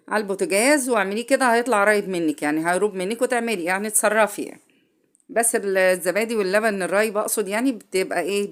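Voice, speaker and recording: A woman with an Egyptian accent, who has a cold, chats through a home cooking tutorial. She talks straight to her viewers and often corrects herself midway. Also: mid-range voice. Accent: Egyptian Arabic. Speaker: home cook.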